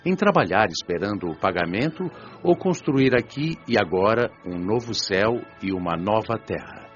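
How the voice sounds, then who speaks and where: Over music, in slightly dull audio, a man acts as a solemn Brazilian spiritual preacher in a radio drama. His low voice rises and falls expressively as he teaches with measured, rhetorical care. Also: expressive, close to an everyday voice. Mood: solemn, earnest. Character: earnest, solemn male spiritual preacher explaining a parable. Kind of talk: scripted sermon-like lecture.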